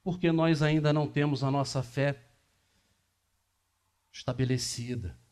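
A man's voice: mid-range voice, steady tone, unhurried, a little mellow. A man in his fifties giving a spiritist lecture to a small audience, talking in a conversational way and putting questions to the listeners, recorded by a camera across a small meeting room. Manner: conversational, asks the audience questions, gestures widely.

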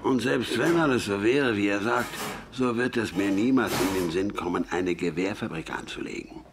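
An actor playing a gruff, stubborn, solitary old gunsmith in a radio play, speaking in curt, grumbling sentences. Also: male voice, on the low side, moderate pace, background noise, natural voice. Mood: grumpy, dismissive. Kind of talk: German radio play acting.

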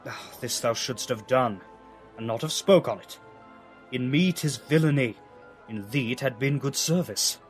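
An actor playing a proud, hearty Roman commander in a Shakespearean audio drama, declaiming with authority. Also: male voice, mid-range voice, unhurried, faint music behind, natural voice. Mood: stern.

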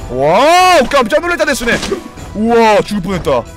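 A man streaming a video game live, joking, excitable and swearing a lot, with game music playing behind him. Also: extremely high pitch, moderate pace. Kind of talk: live gameplay commentary.

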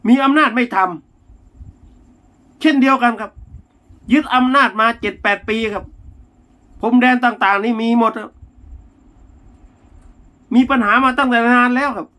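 High-pitched man ranting bluntly. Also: a little slow, long pauses, pushed and bright. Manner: blunt and insulting, uses coarse language; polite particles between harsh attacks. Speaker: political commentator. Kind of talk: angry political monologue to camera.

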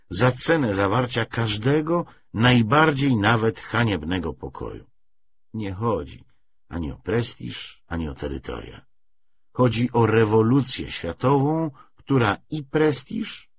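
A man reading a historical novel aloud as an audiobook narrator, in an expressive, scripted literary style. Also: lowish voice, husky. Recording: dull, lo-fi audiobook recording.

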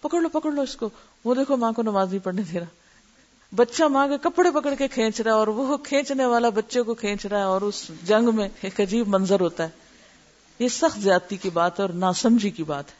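A woman's voice: mid-range voice, a little mellow. A woman giving a religious lecture as a teacher, explaining terms and asking her listeners rhetorical questions. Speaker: Islamic teacher. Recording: muffled lo-fi lecture recording.

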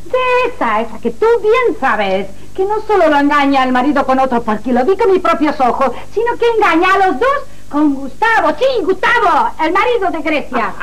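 Telenovela gypsy mother: fiery, scornful, middle-aged, very high voice. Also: very animated, normal speed, few pauses. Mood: outraged, scornful. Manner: exclamatory, indignant, dramatic. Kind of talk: melodramatic telenovela acting. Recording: noisy old TV archive tape.

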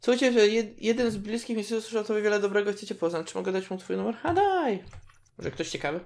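This host talks very fast in a mid-range, somewhat dark voice with fairly even intonation. She comments casually on her game, chats to the characters, reacts as she plays, and squeals over cute moments.

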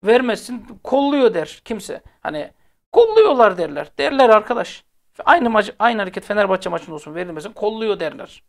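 A man's voice: high voice, very animated, normal speed, creaky. A man hosting a football fan channel, ranting casually to viewers in a blunt, exasperated way and repeating phrases for emphasis. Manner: speaks directly to viewers, blunt and heated.

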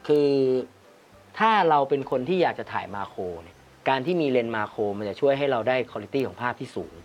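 A man's voice: medium pitch, lively intonation, fairly quick, lo-fi sound, faint music behind. A man hosting a casual photography-critique livestream, reading viewer comments aloud and laughing often. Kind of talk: casual live chat reviewing viewer photos.

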